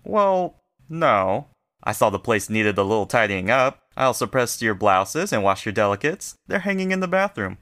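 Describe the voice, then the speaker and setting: A man's voice: fairly low pitch, very animated, normal speed, fairly bright tone. An actor playing a doting, fussy male telegram messenger who acts like a housewife in a radio comedy. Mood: eager, attentive. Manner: solicitous, domestic. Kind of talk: comedic old-time radio acting.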